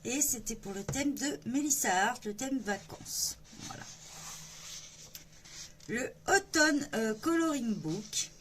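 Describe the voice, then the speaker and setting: A chatty woman with a fairly high voice talks her viewers through a coloring book at an easy pace. She hesitates often and fills her pauses as she goes. A faint hum of ambience sits behind her. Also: lively intonation, a bit bright. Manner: chatty, hesitant with many fillers. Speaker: coloring channel host. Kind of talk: casual book flip-through.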